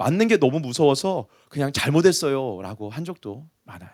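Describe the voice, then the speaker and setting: Very wide swings in pitch mark a man's moderately paced speech, recorded very cleanly against a silent background. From Chungcheong, South Korea. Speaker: pastor. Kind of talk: sermon.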